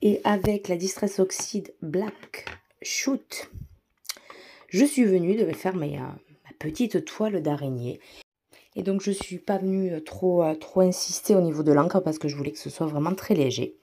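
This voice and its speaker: Woman host, low-ish mellow voice, casual craft voice-over, rambling with fillers. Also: a little slow, slight background noise. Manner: chatty, many fillers and restarts; self-deprecating, enthusiastic about materials. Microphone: voice-over mic.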